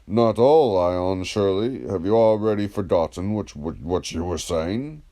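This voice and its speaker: A man reading the part of a patient, ironic, probing philosopher in a dramatised dialogue, in a measured, declamatory, questioning manner. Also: deep voice, dark tone.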